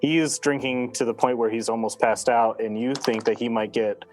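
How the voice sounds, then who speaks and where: A man acting as dungeon master, explaining rules in a halting way with many fillers. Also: medium pitch, fairly even intonation, darkish tone, rough recording. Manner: halting, filler-heavy rulings. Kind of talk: running a tabletop game.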